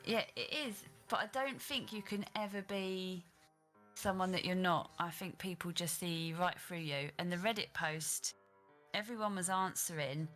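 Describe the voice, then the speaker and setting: A woman's voice: fairly low pitch, normal speed, fairly bright tone, faint music behind. A woman from Kent with an Estuary English accent, chatting casually as a guest streamer in a chilled, self-deprecating way. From Kent, England. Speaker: guest, video game streamer. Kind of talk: casual chat interview.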